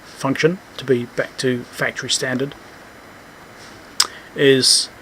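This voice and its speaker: A man with a mid-pitched voice talks through electronics repair in a casual way. He pauses and restarts as he thinks aloud, unscripted. There is faint noise behind his voice. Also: flat delivery, pushed and bright, low-quality recording. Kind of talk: casual unscripted technical walkthrough.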